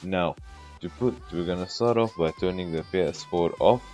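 Low-voiced man with a glitchy, robotic-sounding mic. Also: normal speed, darkish tone, soft background music. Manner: informal, talks the viewer through each step. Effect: glitchy, bitcrushed robotic-sounding mic. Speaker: tech tutorial host. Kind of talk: casual step-by-step tutorial.

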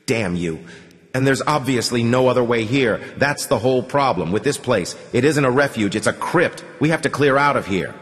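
A man's voice: medium pitch, lively intonation, normal speed, natural voice. A man voicing a weary young man who pleads passionately with a crowd to leave the tunnels. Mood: urgent. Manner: impassioned, urgent. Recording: long hall reverb.

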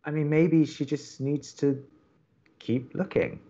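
An actor playing an earnest, awkward young college radio co-host in a romantic comedy podcast, hesitant and stammering. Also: male voice, a little high, little pitch movement, slow, warm tone, highs cut off. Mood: anxious, reassuring. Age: young adult.

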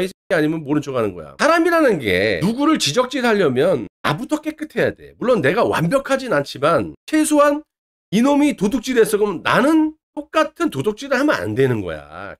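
A man's voice: high voice, wildly swooping pitch, a little fast. A male channel host delivering an angry political rant, abusive, insulting and swearing nonstop.

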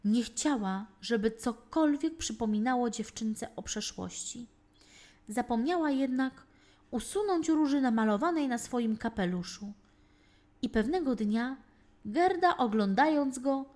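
A woman narrating a children's fairy tale in an expressive, deliberate, scripted storytelling style. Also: fairly high pitch.

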